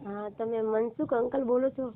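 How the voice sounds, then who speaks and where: A woman in her thirties from Gujarat with a Gujarati accent, explaining haltingly and repetitively as a caller seeking help. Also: on the high side, fairly even intonation. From Gujarat, India. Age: 30s. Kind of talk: casual phone conversation. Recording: narrow, muffled phone-call line.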